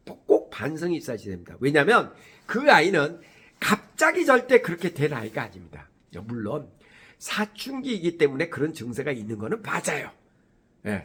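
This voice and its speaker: A middle-aged man gives a morning-broadcast talk in a husky, fairly high voice. His pitch leaps around wildly as he slips into quoted voices and punctuates his points with short affirmations. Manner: animated, acts out quoted voices, frequent "예" fillers. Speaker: host.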